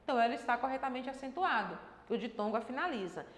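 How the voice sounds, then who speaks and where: High-voiced woman teaching grammar in an echoey room. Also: animated, fast talker. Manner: explanatory, checks in with tags like "tá?" and "né?". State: dry throat. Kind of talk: exam-prep grammar lesson. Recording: echoey room with long reverb.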